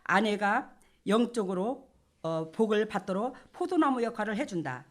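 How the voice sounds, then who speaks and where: Animated woman pastor preaching a sermon. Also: mid-range voice, moderate pace. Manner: folksy, animated, acts out couples' quarrels with laughter.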